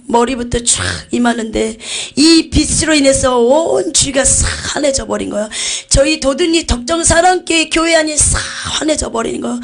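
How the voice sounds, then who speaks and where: A woman pastor with a Jeolla Korean accent delivers an emotional testimony to her congregation. Her voice sits on the higher side. She swings between hushed, whispered passages and fervent, shouted exclamations.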